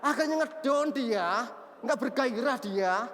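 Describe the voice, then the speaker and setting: A male pastor preaching an animated sermon full of stories, acting out shouted prayers and laughing at himself. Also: very high-pitched, slow, slight background noise. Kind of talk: sermon with storytelling. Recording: long reverb of a large hall.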